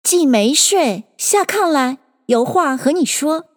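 A woman's voice: high voice, lively intonation, in a large hall, voice pushed up. A woman playing a blunt young swordswoman. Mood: impatient. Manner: brisk, scolding, forceful.

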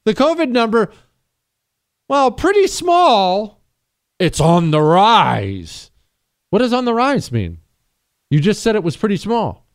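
Male radio host, sarcastic, combative, animated pitch, fairly high voice. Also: slow pace, pauses often, clear, resonant tone, no room sound, studio quality. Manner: sarcastic, combative, swings between mocking high and low mutters. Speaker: radio talk show host. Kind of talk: opinionated call-in radio talk.

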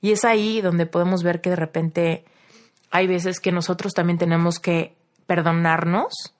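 Mexican woman host, somewhat low voice, chatty reflective monologue, personal anecdotes with repeated phrases. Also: steady tone, unhurried. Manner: storytelling, repeats phrases for emphasis. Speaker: podcast host and life coach. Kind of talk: casual reflective podcast monologue.

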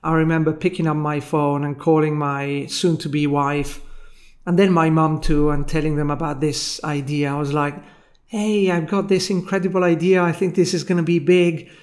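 A middle-aged man with an Italian accent, a founder telling his story as an interview guest in a measured, reflective way with frequent pauses. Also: a little high, little pitch movement. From Italy. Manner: measured and reflective, pauses often with filler sounds.

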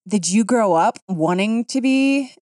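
Woman interviewer from Ohio, mid-pitched, chatty and meandering, dry recording. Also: animated, unhurried, darkish tone, no room sound. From Ohio, United States. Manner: chatty, meandering questions full of fillers. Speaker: host. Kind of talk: casual interview.

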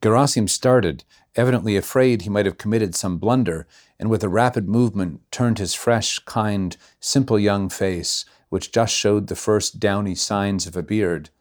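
A man reading a classic novella aloud in measured, unhurried narration. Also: fairly low pitch. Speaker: reader. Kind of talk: audiobook narration.

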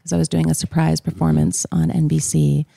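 Young woman podcast host, chatty, darker mellow tone, lots of vocal fry. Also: deep voice, level tone, fairly quick, no room sound, clean studio sound. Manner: chatty, upbeat. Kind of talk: casual interview chat.

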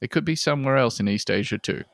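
Male podcast co-host, deadpan jokes, gravelly edge, dry close mic. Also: mid-range voice, quick pace, no echo. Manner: jokey, deadpan asides, frequent laughs. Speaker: podcast co-host reading listener posts. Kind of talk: casual comedic podcast chat.

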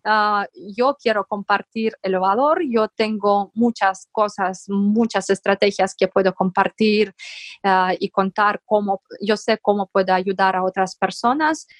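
A woman's voice: medium pitch, steady tone, a little slow, no room sound. A woman guest on a podcast interview, speaking earnestly and encouragingly while searching for words.

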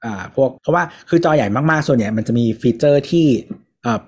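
A man co-hosting a tech podcast, talking at a middle pitch. He walks through details patiently, leaning on fillers as he explains. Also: fairly quick. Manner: explains step by step with many fillers. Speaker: podcast co-host. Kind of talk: casual tech chat.

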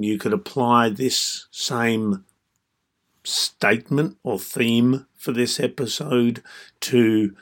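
Slow-spoken Australian man in his fifties. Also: medium pitch. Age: 50s. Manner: measured, deliberate, broken into short phrases. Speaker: podcast host. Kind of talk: reflective solo monologue.

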